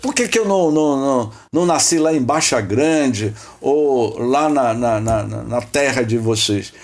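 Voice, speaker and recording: A man's voice: medium pitch, expressive, measured pace. A man from Salvador leads an informal teaching session. He rambles, repeats himself, asks rhetorical questions and calls on people by name. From Salvador, Bahia, Brazil. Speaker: host leading a spiritist study session.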